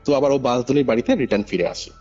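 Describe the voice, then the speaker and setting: A man's voice: mid-range voice, very fast, darkish tone. A man telling a story informally as a caller, emphatic, repeating phrases and checking that the listener follows, over a phone. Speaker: caller recounting a paranormal case. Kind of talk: animated informal spoken storytelling. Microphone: phone call. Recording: muffled phone call recording over music. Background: music.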